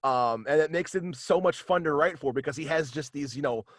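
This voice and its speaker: On a dry, studio-quality recording, a man with a rather high voice speaks briskly as an interview guest on a home video call. He wrote a superhero radio play and chats in a casual, hesitant but enthusiastic way, often chuckling.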